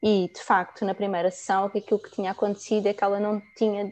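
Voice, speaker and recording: At a moderate pace, a woman with an unremarkable speaking voice talks at a medium pitch. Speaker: parenting coach. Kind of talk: case presentation.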